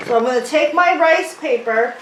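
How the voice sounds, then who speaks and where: A woman's voice: sits high, normal speed, a little hiss or hum. A middle-aged woman, born in South Korea and raised in the United States, teaching a casual cooking lesson and often checking in with her viewers. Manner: chatty, keeps checking in with "okay?". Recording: roomy sound from a distant mic.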